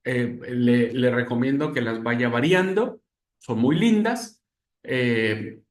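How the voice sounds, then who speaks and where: A man teaching a class on preaching, telling a church story with lively, conversational warmth and tag questions like "¿viste?". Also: mid-range voice, slow pace, reverberant. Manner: animated storyteller, frequent "¿viste?" and "hermanos". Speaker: preaching instructor. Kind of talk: homiletics class with a personal story.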